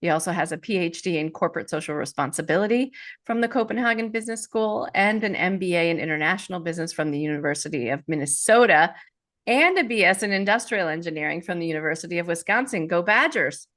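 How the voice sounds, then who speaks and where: A woman's voice: fairly low pitch, animated, fast talker, a bit bright. A woman hosting an interview podcast, reading a guest's bio and asking questions with enthusiasm. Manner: enthusiastic, upbeat. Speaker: podcast host.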